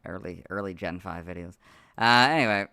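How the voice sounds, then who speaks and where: A hoarse young-sounding man with a low voice that still comes across bright and forceful, talking to himself as he edits. The sound is dry and close, with no room around it. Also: a little fast, no echo. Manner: mutters to himself while working, apologetic asides. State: hoarse, losing his voice. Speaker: video creator streaming his editing. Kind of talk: casual livestream chat while editing. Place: home room, hot.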